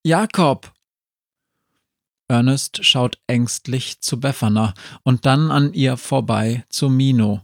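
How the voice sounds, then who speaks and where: A man narrating a fantasy storybook in a calm, unhurried way. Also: mid-range voice, gravelly, no room sound, clean studio sound. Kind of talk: storybook audiobook reading.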